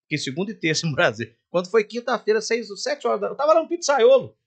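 An older man from Minas Gerais, Brazil, appears as a guest singer on a podcast, speaking with a Mineiro accent. He tells a story animatedly, acting out every line of dialogue himself, in a high-pitched voice at a quick pace.

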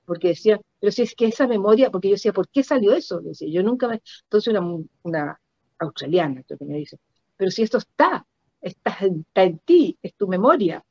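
An older woman with a Chilean accent recounts personal stories reflectively in an interview, halting and repeating words for emphasis over a video call. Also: mid-range voice, lively intonation, darkish tone, dry recording. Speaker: guest performance artist. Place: indoor room at home. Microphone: computer mic on a video call. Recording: dull lo-fi video call audio.

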